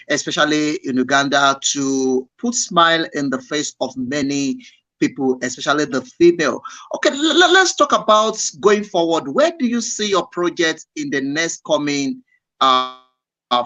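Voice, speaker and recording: A man's voice: on the high side, sharp tone, no room sound, poor audio. A man hosting a live radio interview in South African English, effusive and repeating his words. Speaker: radio host.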